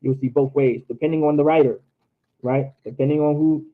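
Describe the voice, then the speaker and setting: A man's voice: fairly high pitch, fairly even intonation, brisk. A man teaching a grammar lesson to his class, patiently drilling word forms one by one and reminding students to take notes. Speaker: language teacher. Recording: tinny phone-like audio.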